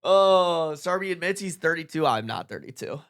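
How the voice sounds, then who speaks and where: A livestream host in their twenties with a very lively, swooping delivery. The talk is casual and slangy, peppered with swearing and pushed hard for emphasis. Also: medium pitch, normal speed. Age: 20s. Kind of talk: casual reaction stream chat.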